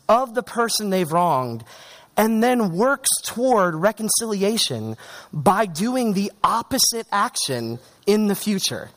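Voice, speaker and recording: A young man preaching a sermon in an animated, conversational way, with chatty asides to the congregation. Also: high voice.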